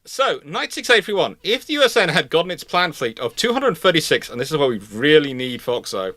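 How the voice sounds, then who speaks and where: A man's voice: a little high, sing-song, brisk, sharp tone, no room sound. A man hosting a casual live question-and-answer talk on history, rambling and often restarting his phrases. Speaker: livestream host.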